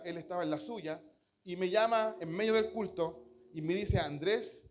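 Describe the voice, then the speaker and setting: A man with a Chilean accent preaching a sermon as pastor, earnest and storytelling, often calling listeners brother. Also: high voice. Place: church.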